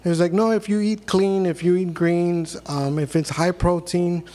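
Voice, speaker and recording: A man's voice: high-pitched, steady tone, moderate pace, dark tone. A man in his thirties, a podcast guest, telling blunt, profane stories in casual chat. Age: 30s.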